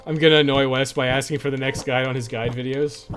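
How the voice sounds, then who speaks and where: A man's voice: mid-range voice, level tone, quick pace, fairly bright tone, soft background music. A man chatting casually as he streams a game, rambling and swearing freely as he goes. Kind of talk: casual livestream chat while playing.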